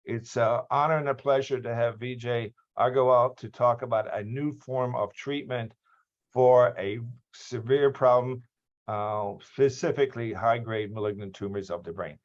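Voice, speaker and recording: A man's voice: mid-range voice, normal speed. Hesitant man introducing a speaker, lo-fi. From Australia. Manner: hesitant, many ums and restarts. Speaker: lecture series host.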